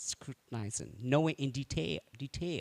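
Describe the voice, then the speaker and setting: This man has a non-native accent. He talks fairly slowly. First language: not English. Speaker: Buddhist teacher. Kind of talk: lecture. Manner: repetitive, halting English.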